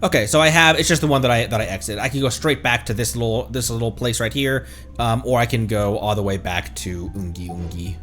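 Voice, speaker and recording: A man doing casual live game stream commentary, excitable, exclaiming and thinking out loud as he plays. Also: mid-range voice, fairly quick, faint music behind. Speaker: streamer, VTuber.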